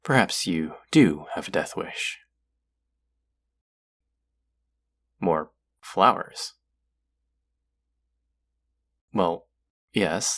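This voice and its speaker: A man acts out a guarded god of the underworld in an intimate audio roleplay. The voice is very low and gravelly, with formal, wry phrasing that hides a soft, lonely streak. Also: full character voice. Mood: perplexed, dismissive. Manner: formal, wry, guarded, addressing the listener directly.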